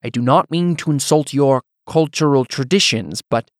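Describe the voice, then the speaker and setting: A proud immigrant laborer acted by a man reading a fantasy audiobook speaks with a thick foreign accent. His voice is lifted in pitch, and his phrasing is stiff and formal, full of wounded indignation. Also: normal speed, dry recording, studio quality, lightly acted. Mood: placating. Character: proud, confused and angry immigrant island worker, man.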